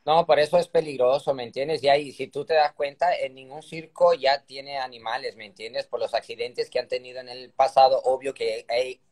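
A man's voice: medium pitch, fairly even intonation, normal speed, few pauses, darkish tone. A man in his thirties with a Brazilian Portuguese accent, chatting cheerfully as a guest on a phone video call from his room at home. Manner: cheerful, chatty, keeps asking "me entiendes?". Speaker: guest, circus performer. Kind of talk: casual live-stream interview.

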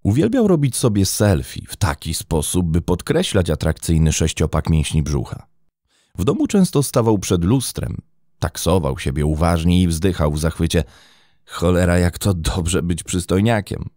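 A man's voice: sing-song, moderate pace, warm tone, no echo. A man narrating a scripted true-crime story in a dramatic storytelling manner, close to the mic in a studio. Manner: dramatic storytelling, wide pitch swings.

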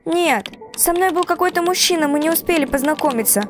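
A woman's voice: very high voice, a little fast, slight background noise. A woman voicing a frightened, anxious young woman stranded on a train in a horror text-message story. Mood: worried. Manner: anxious, breathless exclamations and pleas.

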